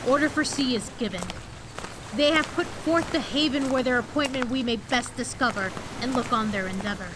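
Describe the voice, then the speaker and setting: High-voiced, betrayed Antony played by a woman. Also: moderate pace, background noise, natural voice. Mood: resolute. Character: proud betrayed Roman general Antony, passionate and bitter. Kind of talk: Shakespearean audio drama acting.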